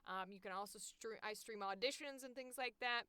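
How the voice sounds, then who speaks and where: Bright, crystal-clear chatty woman streamer. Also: fairly high pitch, a little fast, no room sound. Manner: chatty, giggly. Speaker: livestream host and voice actor. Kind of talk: casual livestream chat, signing off.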